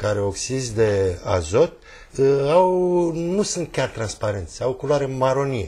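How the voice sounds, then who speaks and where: Very wide pitch swings mark this man's medium-pitched voice. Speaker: co-presenter.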